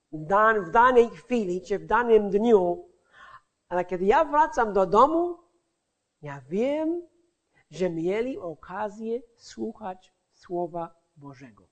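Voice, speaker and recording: A man giving a personal testimony as a street evangelist, speaking haltingly and often stopping to search for words and restart. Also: extremely high pitch.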